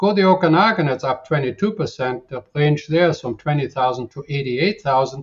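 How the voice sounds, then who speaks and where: This man talks at a fairly quick pace with lively intonation. His voice is somewhat breathy. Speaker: real estate commentator. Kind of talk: interview.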